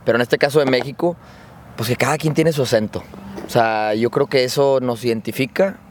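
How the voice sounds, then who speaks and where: A man's voice: medium pitch, fairly quick, a little hiss or hum. A man with a northern Mexican accent, chatting casually on a podcast in slang, full of fillers. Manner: slangy, proud, uses fillers. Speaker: podcast co-host. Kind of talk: casual chat.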